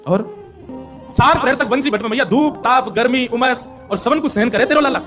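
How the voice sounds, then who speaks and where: A man's voice: very high-pitched, normal speed, a bit bright, soft background music. A man voicing the child Krishna as a small sulking boy who sobs and pleads in a Braj accent, within devotional storytelling. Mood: pleading. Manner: whining, sobbing, wheedling.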